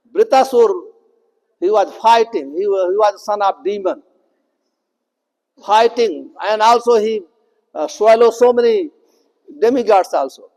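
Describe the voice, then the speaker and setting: Loud and high-pitched, a man speaks at a fairly slow pace with lively intonation and long, frequent pauses. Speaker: spiritual teacher. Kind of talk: lecture.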